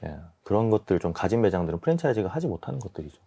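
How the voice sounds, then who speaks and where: A man in his forties giving measured, softened explanations as an expert guest in a radio interview. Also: on the low side, sing-song, creaky, husky. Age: 40s. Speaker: guest, small-business expert and YouTuber. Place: radio studio.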